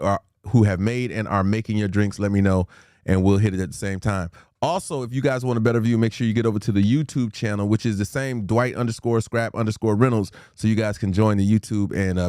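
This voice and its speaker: A man hosting a casual livestream talk show, playful and chatty with his guest and viewers, now and then breaking into a quick rhyme. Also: lowish voice, darkish tone, clean tone, dry recording, clean studio sound. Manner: playful, hypes the audience, drops into quick freestyle rhymes. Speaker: livestream host.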